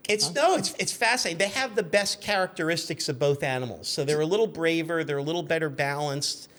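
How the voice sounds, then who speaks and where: Higher-voiced man telling wry anecdotes. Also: quick pace, a bit bright. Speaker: show guest. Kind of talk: casual anecdotal radio chat.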